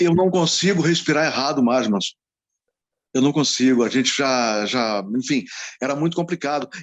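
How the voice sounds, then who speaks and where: Long, frequent pauses break up a man's fairly high voice at a moderate pace. His loudness stays very even, and his pitch varies in an ordinary way. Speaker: radio announcer and voice teacher. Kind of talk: casual chat.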